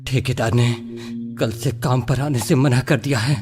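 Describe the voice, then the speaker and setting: A man playing a sick, exhausted labourer father, speaking haltingly in a radio play, with a reverberant echo. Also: medium pitch, steady tone, over music, natural voice. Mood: weak, dejected. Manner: halting, weary. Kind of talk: Hindi radio play acting.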